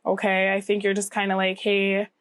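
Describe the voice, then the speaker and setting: A woman's voice: mid-range voice, completely flat delivery, moderate pace, no room sound. A woman with a cold giving a casual tarot reading, slightly scratchy and nasal, conversational and often checking in with the listener. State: getting over a cold. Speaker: tarot reader, channel host.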